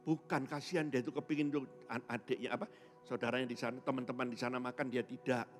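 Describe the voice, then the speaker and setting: A man from Indonesia, a pastor giving a sermon testimony, telling his story with lively swings between loud and soft and acting out other people's voices. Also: medium pitch, fast talker, faint music behind.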